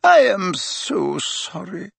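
A man voicing a senior witch professor who speaks in a hushed, grave, measured and regretful way. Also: a little high, wildly swooping pitch, husky, dry recording, voice pushed up, exaggerated voice. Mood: sorrowful. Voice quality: hushed, whispery.

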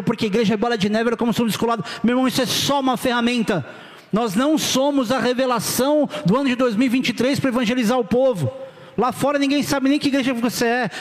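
A man's voice: very high voice, in a large hall. A middle-aged man with a Brazilian Portuguese accent preaching a sermon to his congregation, urgent and direct, with casual slang. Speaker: pastor. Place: church hall.

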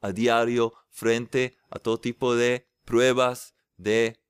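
A man giving a casual, lively spiritual lecture as a religious teacher, drawing out stressed words. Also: mid-range voice, slow, smooth, no echo.

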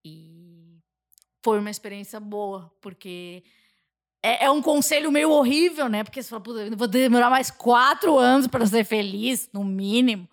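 Brief: Brazilian woman, podcast guest, nonstop animated storyteller, voice sits a bit high. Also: normal speed. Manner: talkative, animated storytelling with frequent laughs. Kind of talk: casual podcast chat.

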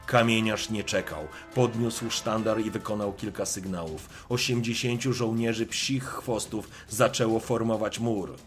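A man narrating a dark story in the second person, in a brooding, measured way. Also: fairly low pitch, fairly even intonation, soft background music. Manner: slow, brooding, measured delivery.

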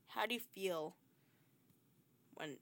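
A woman's voice: fairly low pitch, takes it slowly, a bit bright, slight background noise. A woman hosting a reaction video, teasing and laughing as she comments on clips.

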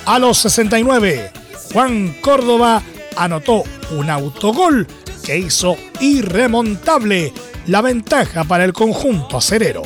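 Chilean male sports radio host, high voice, news-style presenting over a light music bed. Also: very animated, a little slow, fairly bright tone. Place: radio studio. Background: faint music.

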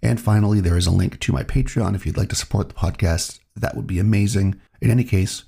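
A man hosting his own podcast, talking in a relaxed, reflective way while he has a cold. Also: fairly low pitch, quick pace, creaky, breathy edge. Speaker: podcast host. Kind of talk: solo podcast monologue.

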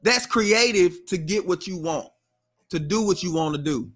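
A man's voice: high voice, normal speed, a bit bright, faint music behind. A man co-hosting a casual talk show, reading out viewer comments and prodding them for answers. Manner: conversational, reads out comments and pushes for answers. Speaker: podcast co-host.

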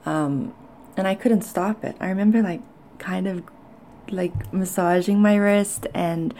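A woman's voice: on the low side, gravelly, dark tone. A woman with a mixed South African and Canadian accent, talking candidly and conversationally to listeners as a podcast host, hesitating as she goes. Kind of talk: personal confessional talk to listeners.

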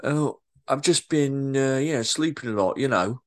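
A man's voice: medium pitch, moderate pace, lightly acted. A man playing an awkward, evasive young staff member who hesitates and stumbles over fillers.

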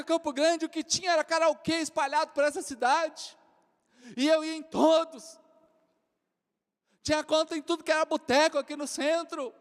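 A man in his forties with a Brazilian accent preaching a sermon, swinging from loud exclamations to soft joking asides. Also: extremely high pitch. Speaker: pastor. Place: church hall. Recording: reverberant church hall.

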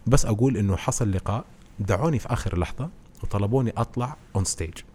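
Fast-talking man, husky and mellow. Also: lowish voice. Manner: animated storytelling, explains with anecdotes. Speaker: guest, presentation expert. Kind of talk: casual podcast conversation.

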